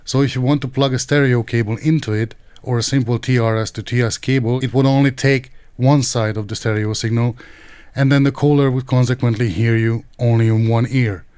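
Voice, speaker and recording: A man's voice: medium pitch, fairly even intonation, a little fast, darkish tone, clean tone, no echo. A man narrating an instructional tech tutorial in a methodical, precise, explanatory way. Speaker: tech reviewer and tutorial presenter.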